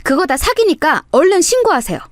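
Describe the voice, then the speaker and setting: A woman voicing a bold, scheming sister-in-law who scolds in a loud, theatrical way. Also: very high-pitched, sing-song, brisk, no echo, studio quality, pitched above the performer's own voice. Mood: scolding.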